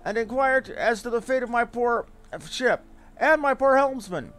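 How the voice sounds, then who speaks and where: A man's voice: extremely high pitch, moderate pace, fairly bright tone. A man voicing an anxious fantasy game merchant, pleading in florid, dramatic speech. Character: anxious airship merchant fretting over debts and lost cargo.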